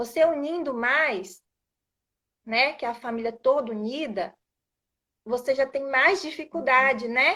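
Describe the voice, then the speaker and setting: A woman speaks very slowly in a high, raised and projected voice, with ordinary pitch variation and long, frequent pauses. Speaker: Sunday school teacher. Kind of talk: Bible class talk on video stream.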